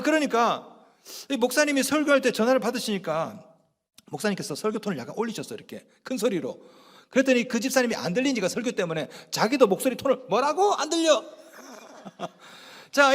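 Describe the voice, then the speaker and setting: Casting: male pastor, high and very lively delivery, sermon in a church with long hall echo. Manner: animated storytelling with acted-out quotes. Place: church sanctuary.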